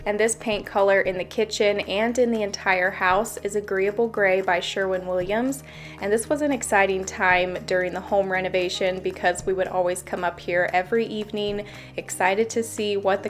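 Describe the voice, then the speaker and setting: A young woman, a home renovation vlogger, narrating a voice-over in a cheerful, chatty way and explaining each step. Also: mid-range voice. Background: faint background music.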